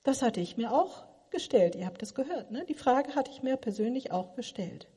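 A woman's voice: a little high, lively intonation, moderate pace, warm tone, husky. A middle-aged woman giving a sermon, asking her listeners earnest, probing questions. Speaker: preacher. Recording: long hall reverb.

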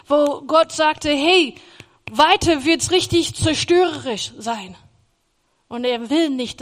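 High-voiced woman giving a faith testimony. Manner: earnest, storytelling, acts out her own past words; grows loud and emphatic in emotional passages.

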